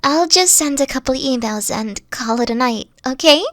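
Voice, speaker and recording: A young woman voicing a weary, gentle fox-spirit girlfriend in an audio roleplay, soft-spoken and hesitant, often trailing off. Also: high-pitched, normal speed, dry recording, clean studio sound. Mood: tired, reassuring.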